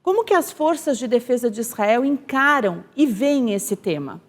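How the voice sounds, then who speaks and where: A woman's voice: a little high, very animated, normal speed. A woman news anchor presenting and interviewing a guest in a formal, polished manner.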